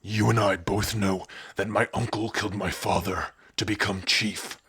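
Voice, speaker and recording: A man voicing a gruff, protective orc warrior with a raspy voice in an ASMR roleplay. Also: fairly low pitch, fairly even intonation, moderate pace, fairly bright tone, no room sound. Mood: menacing, defiant. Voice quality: raspy, husky. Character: gruff, protective young male orc warrior, devoted to spouse.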